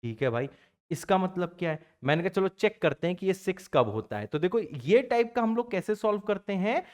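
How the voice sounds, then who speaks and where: Man, exam-prep math teacher; high-ish, very animated delivery; plays both sides of a classroom dialogue himself. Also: brisk. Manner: plays both teacher and student in his own voice; chatty, fond of catchphrases like "bachcha party".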